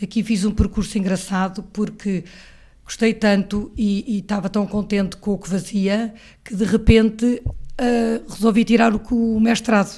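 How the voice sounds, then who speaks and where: A woman speaks at a moderate pace in a dark, mellow, somewhat breathy tone with monotone, flat intonation. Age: 60s. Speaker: hospice volunteer and physiotherapist. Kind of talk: interview conversation.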